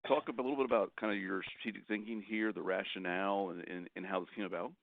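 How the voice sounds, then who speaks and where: A man's voice: on the low side, fairly even intonation, quick pace, creaky, no echo. A man calling in as a financial analyst to put questions on an earnings call. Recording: roomless, thin phone line.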